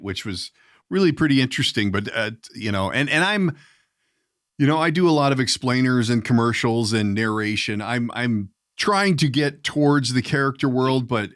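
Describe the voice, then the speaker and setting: A man's voice: medium pitch, a bit bright, no echo, clean studio sound. A man hosting a podcast in a casual interview style, rambling and often restarting his sentences as he goes. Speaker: podcast host.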